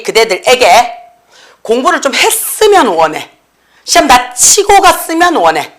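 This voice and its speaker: Woman, English grammar teacher, slightly high voice, lively classroom lecture, constant tag questions. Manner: lively, tag questions after nearly every sentence, acts out students' replies. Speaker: middle-school English teacher.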